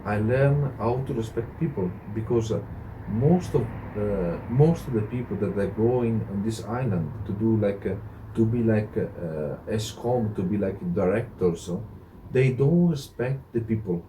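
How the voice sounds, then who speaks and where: A middle-aged Italian man with an Italian accent, a hotel director talking as an interview guest, halting with many fillers and restarts. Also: on the low side, warm tone, a little hiss or hum, rough recording. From Italy. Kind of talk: casual interview chat.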